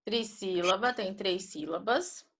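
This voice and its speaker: A woman's voice: medium pitch, takes it slowly, creaky, crowd noise. A woman teaching a primary school class on a video call, patiently drilling grammar terms with her students.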